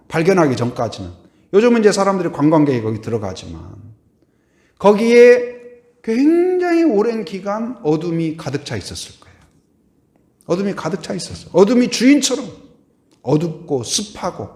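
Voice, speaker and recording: A man preaching a sermon as pastor, asking the congregation questions and answering them, swinging from loud to hushed and trailing off on repeated words. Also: high voice, roomy sound. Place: church sanctuary.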